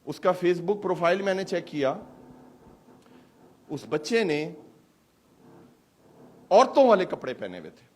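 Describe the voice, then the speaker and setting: High-voiced male pastor. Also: pauses often. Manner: animated preaching with rhetorical questions. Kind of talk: sermon. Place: church hall service.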